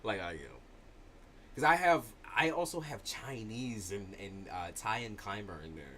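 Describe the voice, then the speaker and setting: A tarot livestream host with a slight lisp banters loosely, swearing and laughing as he chats. His lowish, a bit bright voice is unhurried with lively intonation, over a little hiss or hum.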